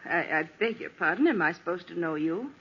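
A woman's voice: lowish voice, lively intonation, brisk, a bit bright, a little hiss or hum. An actress playing a cynical, curt female swindler in a 1940s radio crime drama, talking in scornful slang. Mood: guarded. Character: hard-boiled, cynical female ex-swindler turned shoplifter. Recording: dull lo-fi 1940s radio recording.

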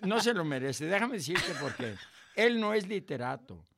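A man's voice: sits high, sing-song, moderate pace, creaky, crowd noise. An older man with a Mexican Spanish accent, a guest musician telling boastful jokes and stories in casual chat. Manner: joking, boastful storyteller.

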